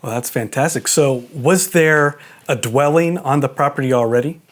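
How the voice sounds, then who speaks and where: A man's voice: mid-range voice, moderate pace. A man hosting a podcast, chatty and informal, with frequent fillers as he introduces his guest. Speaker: podcast host.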